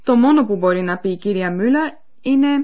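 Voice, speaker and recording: Woman presenter with lively, animated pitch. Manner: clear, explanatory, addresses listeners. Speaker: radio language-course presenter. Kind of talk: scripted educational narration. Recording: dull lo-fi radio recording.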